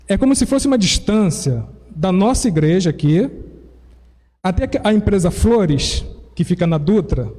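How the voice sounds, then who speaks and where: A Brazilian pastor delivers a sermon in church, patiently laying out each point like a teacher and sometimes correcting himself. His voice is high yet mellow, and the church hall's long reverb lingers after his words.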